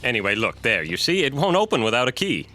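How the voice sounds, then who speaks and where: Secretive father, audio drama, curt, forceful edge, animated pitch swings. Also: fast talker. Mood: evasive. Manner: guarded, curt. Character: evasive, stern father, a doctor with secrets.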